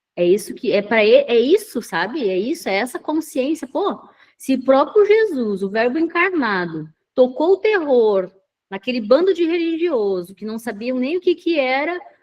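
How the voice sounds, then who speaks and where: Her tone is animated as this woman speaks at a high pitch with very wide pitch swings. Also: moderate pace. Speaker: women's devotional leader. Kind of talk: live devotional teaching. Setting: live stream.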